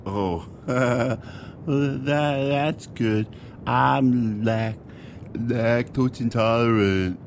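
A man acts out a drunk airline passenger with a gravelly voice, drawling slowly and tripping over his own words. He repeats himself, muddled and dim-witted, in a comic radio play. A faint engine rumble hums behind him. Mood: befuddled.

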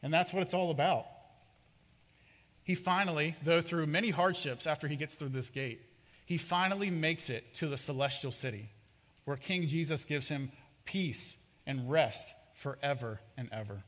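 A man's voice: on the high side, moderate pace, a bit bright. A man preaching a sermon as a pastor, telling a story and acting out its characters' lines. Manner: storytelling with acted-out quotes. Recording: long hall reverb.

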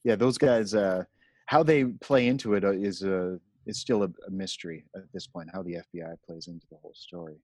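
Deep-voiced man, halting and dry-sounding. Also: darkish tone, no room sound. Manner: halting, searching for words. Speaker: podcast co-host. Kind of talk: casual discussion.

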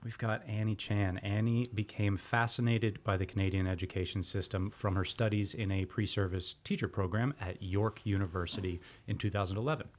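A man's voice: on the low side, fairly even intonation, a little fast, few pauses. A man hosting a podcast, reading out guest introductions and then asking friendly questions with some restarts. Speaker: podcast host.

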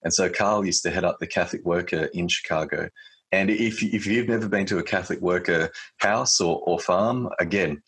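Low husky-voiced man, thoughtful guest. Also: normal speed, a bit bright. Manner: reflective, many fillers and restarts. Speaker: podcast guest. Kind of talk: casual conversation.

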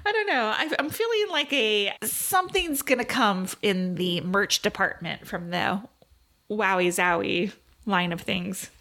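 A woman's voice: medium pitch, expressive, a little slow, pushed and bright. A woman co-hosting a podcast in casual, chatty banter, often giggling as she talks. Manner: giggly, laughs readily while talking. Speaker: podcast co-host.

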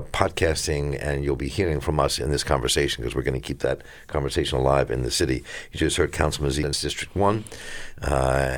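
Smooth, very deep-voiced radio host man. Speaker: radio talk show host. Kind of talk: live call-in radio talk show. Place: radio studio.

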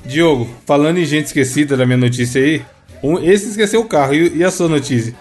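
A man's voice: a little high, quick pace, soft background music. A man co-hosting a casual podcast, joking and recalling childhood stories. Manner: joking, interjects, quotes imagined people. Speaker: podcast co-host. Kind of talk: casual comedic chat.

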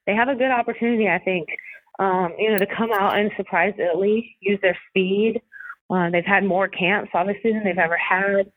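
A woman's voice: medium pitch, steady tone, moderate pace, no echo. Woman, chatty, over a tinny phone line. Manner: rambling, many fillers and restarts. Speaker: soccer coach and Spanish-language commentator. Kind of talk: casual podcast interview.

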